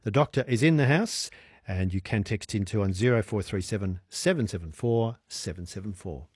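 A man's voice: lowish voice, expressive, moderate pace, darkish tone, breathy edge, no room sound, clean studio sound. An Australian man in his sixties hosting evening talkback radio, chatty and enthusiastic with playful wordplay. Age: 60s. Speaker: radio host.

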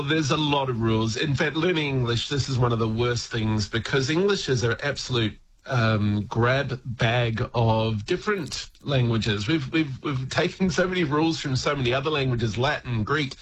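A man's voice: medium pitch, normal speed, hardly any pauses, low-quality recording. Guy explaining words on radio, lots of ums, laughs, bit of background hiss. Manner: chatty, laughs often, many ums and restarts. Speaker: regular language guest on radio. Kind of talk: casual radio chat.

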